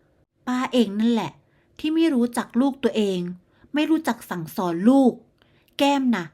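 A woman voicing an angry, fed-up young boyfriend in a storybook tale, with a blunt, irritated delivery, in her own fairly high voice. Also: animated, normal speed, warm tone. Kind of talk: storybook character voice.

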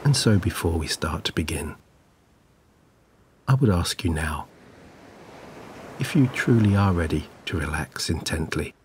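A man narrating a scripted guided sleep meditation in a soothing, gentle, measured way. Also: low-pitched, animated, slight background noise. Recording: clear background ambience of waves. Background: relaxing ocean wave sounds.

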